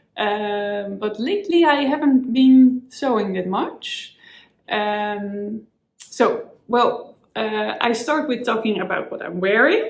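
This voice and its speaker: A woman speaks very slowly with a Dutch accent. Her pitch is fairly high, with ordinary variation. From Netherlands. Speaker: knitting podcaster. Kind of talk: casual vlog chat. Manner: halting, many fillers.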